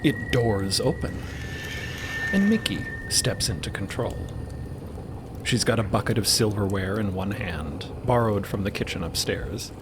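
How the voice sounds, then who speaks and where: Slow, expressive male narrator. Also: on the low side, background noise. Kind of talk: dramatic scripted storytelling.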